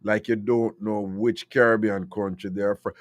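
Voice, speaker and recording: A man's voice: on the low side, little pitch movement, moderate pace, dry recording. A Jamaican man hosting a call-in radio talk show, opinionated and slipping into patois.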